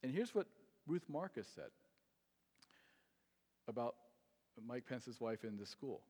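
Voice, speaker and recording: A man's voice: medium pitch, sing-song, slow. Earnest male pastor in a reverberant hall. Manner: earnest, building to loud emphatic passages. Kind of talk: sermon. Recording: long reverb in a large hall.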